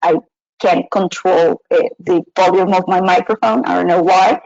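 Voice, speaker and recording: A young Mexican woman presents a live online teaching webinar from a small room, hesitating with many fillers and restarts. Her voice is lowish, creaky and a little mellow, steady at a moderate pace, captured by a webcam and computer mic as dull lo-fi audio.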